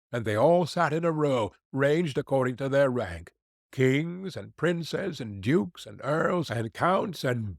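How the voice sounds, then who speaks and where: A man's voice: mid-range voice, dry recording, clean studio sound. A man narrating a fairy tale audiobook, giving the characters' lines their own voices. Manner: slow, lively storytelling with voiced quotes.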